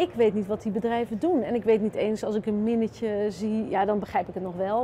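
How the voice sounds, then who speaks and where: Light background noise sits behind a woman's fairly high voice. She speaks at a moderate pace. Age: 50s. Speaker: beginning investor. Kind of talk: advice conversation. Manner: halting. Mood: candid, slightly amused. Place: hall.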